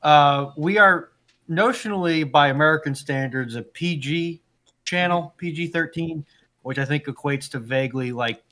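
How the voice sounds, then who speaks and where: A man's voice: fairly high pitch, moderate pace, pushed and bright. A man moderating a casual live discussion, speaking hesitantly and often restarting his sentences. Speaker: live stream moderator and panelist.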